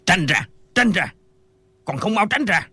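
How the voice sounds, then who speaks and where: A swaggering officer voiced by a woman, dropping well below her own pitch into a husky, dark growl. He barks and blusters at everyone in his way, the sound close and dry. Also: big pitch swings, moderate pace, no room sound, heavily acted. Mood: barking. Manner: barking, blustering orders. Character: arrogant bullying male military officer.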